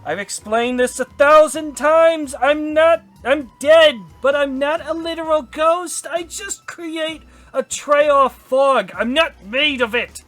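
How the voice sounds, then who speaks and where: A man's voice: sits high, a little slow, sharp tone, faint music behind. A man voicing a sullen young male ghost with a nasal, whiny voice. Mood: irritated.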